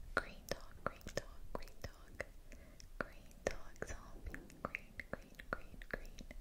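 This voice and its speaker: A woman is heard. She is whispering. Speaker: ASMR creator. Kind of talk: ASMR whisper video. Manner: whispered. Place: home room. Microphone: studio mic.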